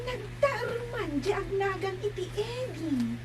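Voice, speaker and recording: A woman speaking in a slow, drawn-out way in an Ilocano audio drama. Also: very high voice, very animated, noisy background.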